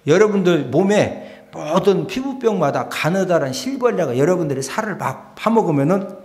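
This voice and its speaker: A male pastor giving a lively sermon in a church, often prodding his congregation for a response. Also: high voice, normal speed. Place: church sanctuary. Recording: echoey church hall.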